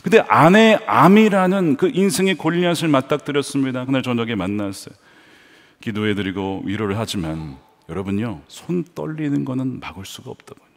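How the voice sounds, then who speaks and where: A man preaching a sermon as pastor, with dramatic swings from hushed storytelling to loud emphatic calls. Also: medium pitch, expressive, fairly quick, big-room sound. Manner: acts out quoted taunts in a raised voice.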